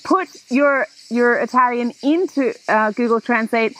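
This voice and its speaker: A woman in her thirties hosting a casual chat outdoors, animated and quick to laugh. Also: a little high, low-quality recording. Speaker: host. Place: outdoors in a garden, seated in a hammock.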